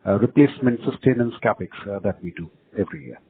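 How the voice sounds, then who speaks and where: A man's voice: lowish voice, lively intonation, quick pace. A man, a company executive answering analysts on an earnings call, hesitant and full of fillers. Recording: phone-line conference call audio.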